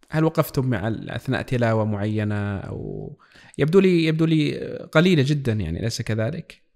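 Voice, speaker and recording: Lively intonation from a man at a moderate pace, against a quiet background. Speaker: podcast host. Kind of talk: interview. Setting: studio. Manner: formal. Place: studio. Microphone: studio mic.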